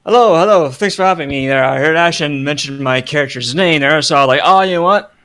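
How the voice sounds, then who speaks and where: A man's voice: fairly high pitch, fast talker, a bit bright. A man calling in to a show as a guest, bantering casually in a playful, teasing way. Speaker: call-in guest.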